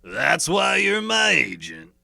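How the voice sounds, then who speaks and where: A man voicing a boastful, muscle-bound doofus cartoon action hero with bombastic, drawn-out delivery. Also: sits high, wildly swooping pitch, gravelly, pushed and bright, dry recording, clean studio sound, voice pushed up, full character voice. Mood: carefree.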